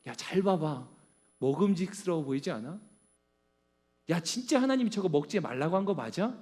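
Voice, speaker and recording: A man's voice: on the high side, lively intonation, moderate pace, darkish tone, close to an everyday voice. Contemptuous male devil accuser, sneering taunts, put on by a male preacher. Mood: wheedling. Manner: mocking, contemptuous jeering.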